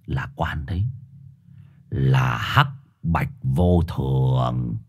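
A man doing a gruff raspy street dog. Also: sits low, big pitch swings, normal speed, voice pushed down. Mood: low, conspiratorial. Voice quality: hoarse, raspy. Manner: growling, rough, condescending. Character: gruff streetwise male black four-eyed dog, bossy.

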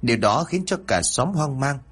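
A man with a Southern Vietnamese accent narrating a village horror story in an expressive storytelling manner. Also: medium pitch, moderate pace, husky.

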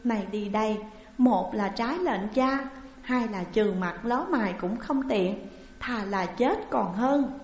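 A woman voicing a frightened, tearful young noble daughter pleading with her mother, raised and higher, in a muffled, echoing recording. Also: unhurried. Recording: muffled, roomy with long reverb.

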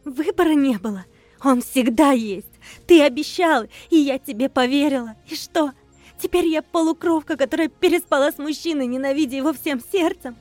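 A woman reader performs a furious young half-werewolf woman, screaming accusations at her husband and close to tears. Her voice is raised high and sharp. The sound is dry with faint music behind it. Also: normal speed, no echo, natural voice. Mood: hateful. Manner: accusing, shouting and near tears. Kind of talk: audiobook character voice.

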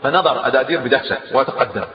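A fast-talking man recounts history with emphatic, lively delivery, often pausing to comment on the tale. His voice rings in a long hall reverb, and the recording sounds dull and lo-fi. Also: mid-range voice. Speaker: storyteller. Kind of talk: animated historical storytelling.

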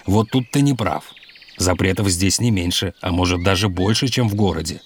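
A man playing a doctor out mushroom picking, who explains safety rules calmly and patiently. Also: low-pitched, moderate pace, slight background noise, close to an everyday voice. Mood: instructive. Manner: calm, instructive, explains patiently.

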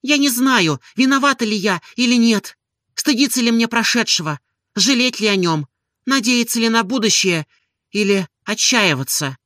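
A woman's voice: on the high side, lively intonation, moderate pace, a bit bright, no room sound, studio quality, voice pushed up. A reader voicing an ashamed young woman in love, speaking in an emotional, pleading way. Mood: anguished pleading.

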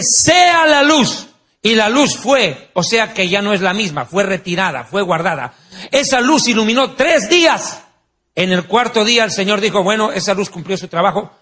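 A man with a rather high, slightly bright voice delivers a sermon in a Spanish-language style. He blends teaching with anecdotes and jokes, poses rhetorical questions, and acts out the voices he quotes.

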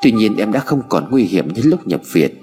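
A man's voice: on the low side, sing-song, normal speed, warm tone. A man narrating a story expressively. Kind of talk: scripted narration. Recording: hall reverb with music bed.

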